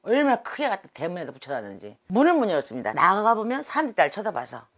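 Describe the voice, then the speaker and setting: A middle-aged woman, a shaman, telling stories from her past in an animated, dramatic way during an interview. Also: medium pitch, fast. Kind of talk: storytelling interview.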